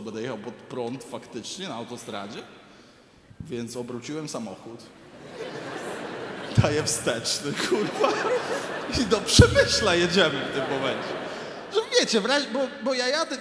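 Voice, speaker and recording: Animated man doing stand-up in an arena. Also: high voice, background noise. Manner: animated, profane, acts out quoted people. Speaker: stand-up comedian. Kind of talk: stand-up storytelling. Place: large arena stage. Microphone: handheld stage mic. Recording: echoey arena, crowd ambience. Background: audience laughter.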